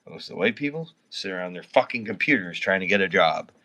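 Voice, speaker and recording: Drunk man, slurred words, heavy cursing, rambling livestream chat, lowish bright voice. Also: animated, fast talker. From Canada. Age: 30s. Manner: rambling, swears constantly. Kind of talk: casual livestream chat with viewers.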